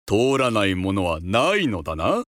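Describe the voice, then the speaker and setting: An actor playing a pompous, playful older feudal lord with an old-fashioned lordly manner of speech in a children's folk tale. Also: male voice, on the low side, wildly swooping pitch, moderate pace, noisy background. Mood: testing.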